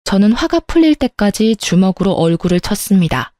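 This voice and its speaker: A woman's voice: medium pitch, very animated, fairly quick, warm tone, no room sound, clean studio sound. A woman narrating a first-person true-life story in a confiding, emotional way.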